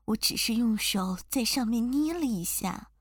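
Woman acting as a mocking cruel rival, fairly high, husky voice, amateur audio role-play. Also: lively intonation, no echo, studio quality. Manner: mocking, drawn-out sneers.

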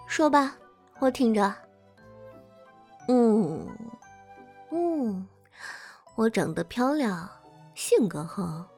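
Woman playing a bratty young girlfriend: high, lively, coy and whiny, unhurried delivery. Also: heavily acted. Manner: coy and teasing, whiny pouting. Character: playful, bratty young girlfriend, teasing and pouting. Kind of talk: audio role-play drama.

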